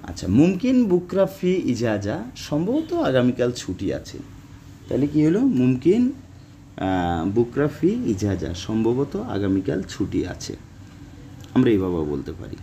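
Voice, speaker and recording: A man's voice: medium pitch, huge pitch swings, mellow, a little hiss or hum. Man teaching Arabic phrases. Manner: repeats phrases slowly, lectures and scolds viewers. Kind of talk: casual spoken lesson.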